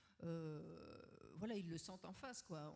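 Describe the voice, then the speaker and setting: A woman's dark, mellow tone at a moderate pace. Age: 60s. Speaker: children's and youth author. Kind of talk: conference panel discussion.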